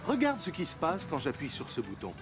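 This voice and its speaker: A man's voice: on the high side, huge pitch swings, brisk. An eager cartoon car salesman. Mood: courteous. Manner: courteous, salesy. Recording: music playing behind.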